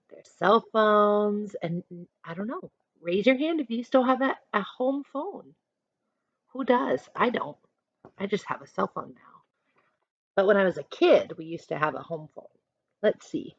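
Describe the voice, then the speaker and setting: A woman teacher reading aloud to children, adding chatty instructive asides in an expressive manner. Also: mid-range voice, a little slow, no room sound, muffled recording. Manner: expressive, instructive, acts out short examples.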